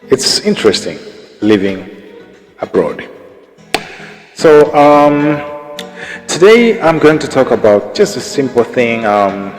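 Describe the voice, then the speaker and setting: Slow-talking man in an echoey hall. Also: mid-range voice, sing-song. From Tanzania. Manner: unhurried, many pauses and fillers, chuckles at his stories. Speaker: vlogger. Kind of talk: casual talk to camera. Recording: long hall reverb, faint music.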